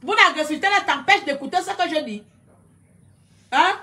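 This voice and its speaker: A woman giving a loud, combative live-stream rant, shouting back at her viewers. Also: high voice, moderate pace. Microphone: computer webcam.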